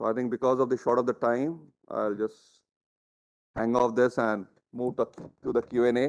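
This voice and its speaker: At a moderate pace, a man of medium pitch talks in a monotone, flat way, with long, frequent pauses. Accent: Indian. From India, Rajasthan. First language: Hindi. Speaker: tech presenter. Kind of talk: workshop demo.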